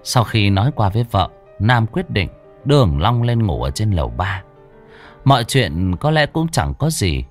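A man's voice: lowish voice, sing-song, moderate pace, faint music behind. A man narrating a ghost story in a dramatic, suspenseful way.

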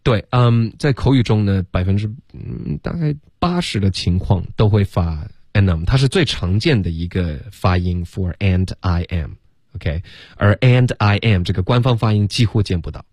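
Male radio English teacher, low mellow voice, dry close studio sound; patient drills, bilingual explanations. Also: lively intonation, normal speed, dry recording. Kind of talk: radio language lesson. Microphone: studio mic.

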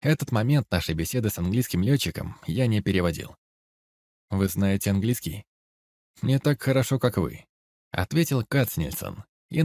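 A man narrating a first-person novel in a steady, even storytelling manner. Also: sits low, dry recording, clean studio sound. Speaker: audiobook narrator.

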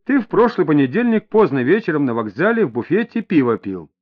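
A firm, level-headed inspector presses a suspect for answers, as a male narrator puts him on. He talks steadily, with a fairly high and lively voice. The audiobook sound is dull and lo-fi. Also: a little fast. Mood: pressing. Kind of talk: audiobook character voice.

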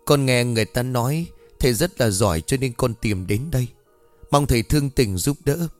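A man's voice: medium pitch, expressive, fairly quick, soft background music, close to an everyday voice. A man voicing a poor village wife who pleads desperately and tearfully for help. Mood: pleading.

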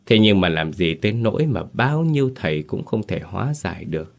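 A man's voice: sits low, very animated, brisk, gravelly. A man narrating a ghost story in the first person, colloquial and wry.

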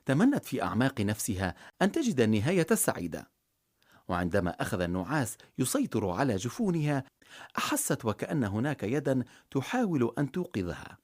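An expressive storyteller reading a children's tale. The voice is husky and breathy, and the pitch rises and falls very widely as the story unfolds. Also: a little fast. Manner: expressive, dramatic. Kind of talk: storybook narration.

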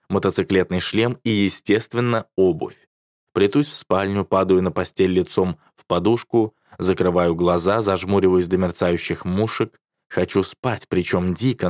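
A man narrates a first-person novel in a low register. His delivery is wry and sardonic, close to the mic in a dry, dead-sounding space. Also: a little mellow, no room sound. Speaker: audiobook narrator.

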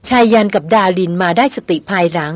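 A woman narrating a novel in a steady storytelling voice, voicing the characters' lines plainly. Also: lowish voice, brisk, no echo. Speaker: audiobook narrator.

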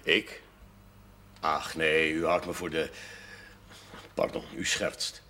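An actor playing a witty, courteous and slightly frivolous Catholic curate in a television drama, with flowery phrasing. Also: male voice, a bass voice, little pitch movement, slow pace, bright, forceful tone, slight background noise, exaggerated voice. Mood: taken aback, earnest. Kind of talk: 1970s television drama acting.

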